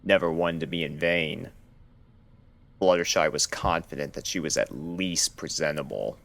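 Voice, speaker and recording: A man narrating a scripted horror story in a measured, dramatic storytelling manner. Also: very deep voice, gravelly, a bit bright. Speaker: narrator of fan fiction readings.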